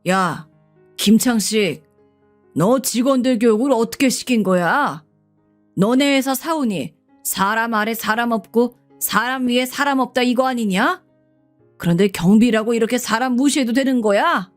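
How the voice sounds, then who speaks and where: A woman voicing a blunt older male security guard who scolds roughly, over faint background music. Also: a little high, unhurried, natural voice. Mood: angry. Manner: gruff, scolding speech.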